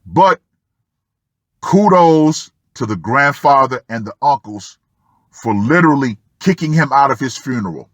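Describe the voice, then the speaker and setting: A man giving opinion commentary as an online host, emphatic and fond of dramatic pauses. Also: medium pitch, animated, fairly bright tone, dry recording. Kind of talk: opinion commentary on a Reddit post.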